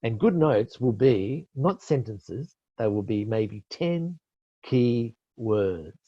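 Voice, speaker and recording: He is a middle-aged Australian IELTS expert whose mid-range voice is animated yet slow, with no echo. Teaching a webinar and answering questions, he explains patiently, corrects himself and leans on many fillers. The webinar call mic yields dull lo-fi audio.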